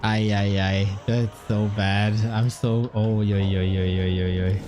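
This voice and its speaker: A man's voice: fairly low pitch, level tone, measured pace, over music. A man doing live gaming commentary as a streamer, full of exclamations and muttered grumbles. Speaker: game streamer.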